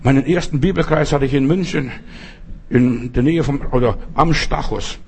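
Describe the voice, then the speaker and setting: Husky preacher. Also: male voice, mid-range voice, moderate pace. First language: not German. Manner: fervent, repetitive, addresses listeners directly. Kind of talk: sermon with personal testimony.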